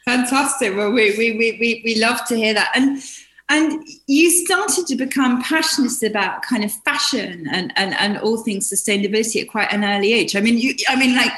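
A woman's voice: on the high side, moderate pace, fairly bright tone, reverberant. A woman hosting a podcast, effusive and stumbling over repeated words as she introduces and questions her guest. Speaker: podcast host. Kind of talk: casual interview chat.

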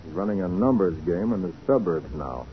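An actor playing an easygoing, shrewd detective, conversational and wry, in a 1940s radio crime drama. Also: male voice, low-pitched, sing-song, a little fast. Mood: concerned, decided. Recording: tinny, noisy 1940s radio recording.

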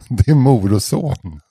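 A man's voice: mid-range voice, animated, mellow, a little hiss or hum. A man on a podcast telling a long anecdote in a casual, rambling way, often restarting sentences and swearing casually. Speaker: podcast co-host.

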